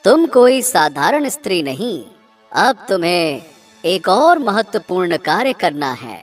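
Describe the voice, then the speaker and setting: A man performs a sly black swan under a curse in a children's cartoon. The delivery is theatrical and drawn out, slow with wide pitch swings, over music. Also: big pitch swings. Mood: impressed, grave.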